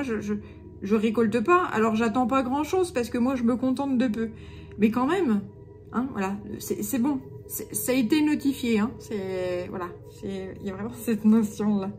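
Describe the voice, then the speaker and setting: Woman, Jura accent, fairly high voice, halting speech full of fillers, faint music behind. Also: a little mellow. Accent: Jura French. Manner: hesitant, many fillers and restarts; self-mocking humor. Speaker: spiritual channeler. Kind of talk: unscripted channeled guidance reading.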